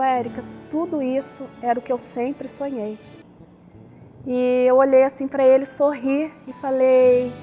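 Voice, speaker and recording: Woman, São Paulo Brazilian accent, high voice, personal testimony, acts out dialogue, soft music underneath. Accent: São Paulo state Brazilian Portuguese. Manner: storytelling, acting out dialogue and prayers. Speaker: pastor giving a testimony.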